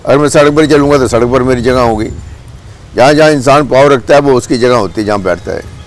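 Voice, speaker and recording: A man's voice: mid-range voice, brisk. Brief: Punjabi-accented man, casual vlog monologue, blunt and scolding. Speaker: vlogger. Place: outdoors with birds and a cat nearby.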